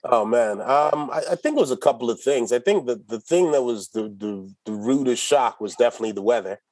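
A middle-aged man talks easily about his past as an interview guest, restarting his sentences and laughing now and then. His voice sits at an ordinary pitch and sounds close and dry, with no room around it. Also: a little fast, dry recording. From Ghana. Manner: relaxed storyteller, many restarts and laughs. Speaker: guest, company executive. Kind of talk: casual interview talk.

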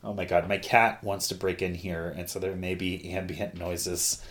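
Low-voiced, jokey man in casual podcast chat. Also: little pitch movement, moderate pace, a bit bright. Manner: jokey, rambling, digressive, mildly profane. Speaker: podcast host. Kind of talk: casual chat recapping an anime.

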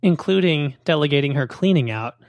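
A man's voice: on the high side, expressive, fairly quick, a little mellow, no echo. Sarcastic male podcast host. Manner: joking, sarcastic. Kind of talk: podcast chat.

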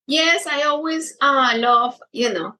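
A woman's voice: high-pitched, slow, bright, forceful tone, low-quality recording. A middle-aged woman guest speaking in a casual interview, hesitant with many fillers and restarts. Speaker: guest baker.

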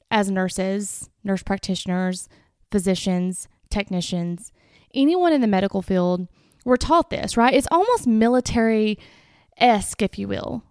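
A woman's voice: medium pitch, clear, resonant tone, dry recording, studio quality. Nasal, congested woman hosting a podcast. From Southern United States. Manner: informal, candid, conversational. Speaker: podcast host. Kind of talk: casual solo podcast monologue.

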